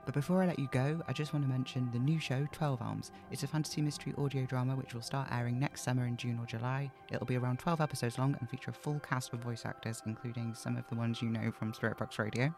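A man's voice: mid-range voice, fairly even intonation, quick pace, vocal fry, few pauses, over music. A man giving a chatty, informal podcast announcement as the show's host. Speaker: audio drama podcast creator and host. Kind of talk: scripted podcast outro, casual announcement.

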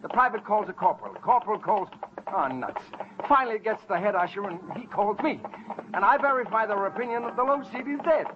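An actor playing a fussy, excitable male theater manager in a 1950s radio drama, pleading and rambling. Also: high voice, fast talker. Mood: fretful. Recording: muffled hissy old radio broadcast.

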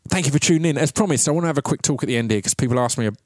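A man's voice: mid-range voice, darkish tone, no echo. Stuttering male podcast host, dry sound. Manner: halting, repeats sounds at word starts. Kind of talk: casual interview and reflective monologue.

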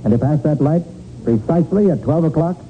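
Fast-talking, shrewd radio private eye played by a man. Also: fairly high pitch, lively intonation, close to an everyday voice. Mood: probing. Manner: brisk, probing, assured. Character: shrewd, decisive male private detective. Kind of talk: 1940s radio drama acting. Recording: scratchy, narrow-band 1940s radio recording.

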